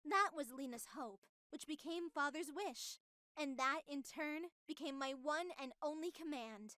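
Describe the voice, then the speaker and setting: High-pitched, smug young AI girl. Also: measured pace, pushed and bright. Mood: earnest, explanatory. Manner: playful, self-satisfied, conversational. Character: young female AI, cheerful, smug, obsessed with Halloween. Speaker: narrator of a horror visual novel. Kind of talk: scripted first-person game narration.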